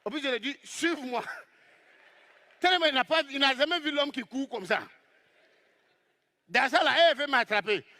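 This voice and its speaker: A man telling a comic story on stage as a stand-up comedian, lively and exclaiming as he acts out the scenes. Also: very high voice, fairly quick, long pauses.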